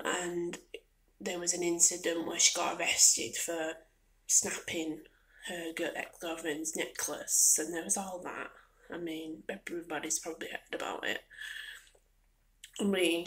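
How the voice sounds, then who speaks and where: Soft, low-pitched woman rambling in ASMR. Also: poor audio. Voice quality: soft, breathy, often near a whisper. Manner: rambling, opinionated, informal. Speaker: ASMR video creator.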